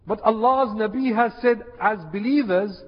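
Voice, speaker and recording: Impassioned high-voiced male preacher. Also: moderate pace. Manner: impassioned, repeats key phrases for emphasis. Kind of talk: sermon. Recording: echoey hall, dull lo-fi sound.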